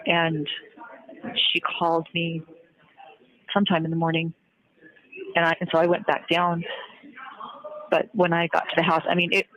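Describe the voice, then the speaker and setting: A woman's voice: fairly low pitch, a bit bright. A woman recounting events matter-of-factly and step by step in casual conversation on a recorded jail phone call.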